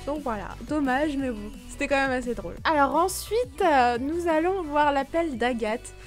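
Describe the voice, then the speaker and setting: Une femme qui commente sa vidéo sur un ton de vlog décontracté. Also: female voice, sits high, lively intonation, moderate pace, soft background music. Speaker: video host.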